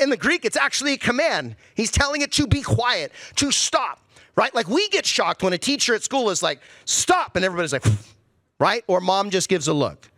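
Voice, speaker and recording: A male pastor delivering a sermon with a high, bright voice. He keeps it conversational, poses rhetorical questions, and drops low and slow when he quotes. The sound is close and dry. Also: dry recording.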